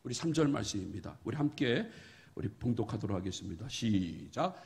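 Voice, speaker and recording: A middle-aged male pastor preaching a sermon, telling folksy stories, acting out bits of dialogue and building to emphatic, forceful points. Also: fairly low pitch, big pitch swings, a little fast, creaky.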